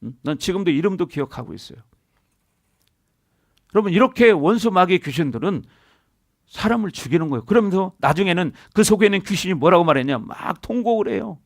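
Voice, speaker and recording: Middle-aged pastor guy preaching, high voice, keeps calling out to the church for amens, dry close sound. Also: expressive, brisk, no room sound. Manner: preaching with call-and-response to the congregation. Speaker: senior pastor. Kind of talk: sermon. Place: church sanctuary.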